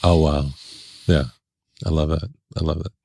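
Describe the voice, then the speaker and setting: A man hosting a podcast, playful and chatty, laughing often as he runs a quick question round. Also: extremely low pitch, flat delivery, vocal fry, heavy background noise. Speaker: podcast host. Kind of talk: casual interview chat. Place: podcast studio.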